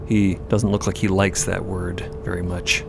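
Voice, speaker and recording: A man's voice: low-pitched, little pitch movement, moderate pace, creaky, background noise. A man reading dramatic scripted narration for an audio story.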